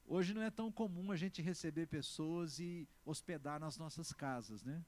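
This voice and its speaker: A Brazilian Portuguese-accented man preaches as a pastor, his voice a little high. He's emphatic, swinging between loud exclamations and slow, stressed words, and keeps asking the congregation to answer him.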